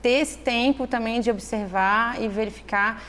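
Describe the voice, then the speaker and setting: A woman in casual conversation, explaining parenting ideas in a thoughtful, measured way, often checking in with "né". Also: fairly high pitch, a bit bright. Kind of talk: conversational interview. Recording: echoey room with faint noise.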